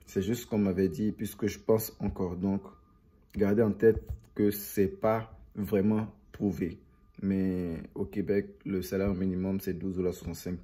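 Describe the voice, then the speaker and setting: A man's voice: low voice, flat delivery, moderate pace, dark tone, husky. A young man chatting casually to viewers as a vlogger, rambling and repeating phrases for emphasis. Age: young adult.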